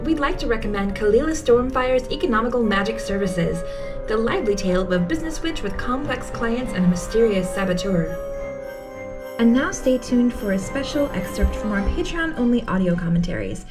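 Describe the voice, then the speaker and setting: A woman announcer with a fairly high voice delivers scripted podcast credits. She sounds slightly distant from the microphone, and music plays clearly behind her.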